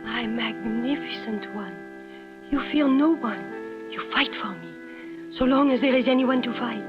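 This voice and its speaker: A woman's voice: on the high side, measured pace, natural voice. An actress playing a passionate young woman fleeing the police with her lover, speaking in dramatic, formal, urgent phrasing in a 1950s radio drama. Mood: hushed. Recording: muffled 1950s radio broadcast with music.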